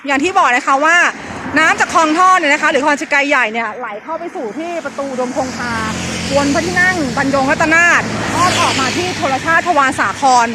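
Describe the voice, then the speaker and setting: A woman's voice: sits high, brisk. A woman vlogger talking nonstop to her viewers outdoors by a busy road and raising her voice over the traffic. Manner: chatty nonstop talker, addresses viewers directly; talks loudly over traffic. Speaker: vlogger and local history guide. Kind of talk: casual walking vlog narration. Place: outdoors beside a busy road by an old canal. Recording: loud traffic noise outdoors. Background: passing cars.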